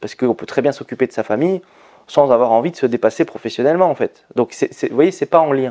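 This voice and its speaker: Speaking very fast, a man with a fairly high pitch and a dark, mellow tone shows ordinary pitch variation in a dry, close sound with no echo. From eastern France, Belfort. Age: 30s. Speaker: entrepreneur. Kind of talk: casual interview. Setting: office.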